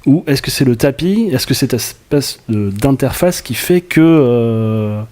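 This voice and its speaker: A man on a casual panel asking a long, searching question, at an ordinary pitch for a man. He hesitates a lot as he looks for the right words. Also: expressive, measured pace, mellow.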